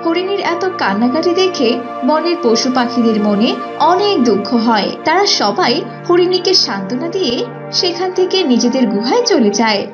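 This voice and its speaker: A woman narrates a children's story from a script. Her voice is high and animated, with music playing behind her. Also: moderate pace, dull audio.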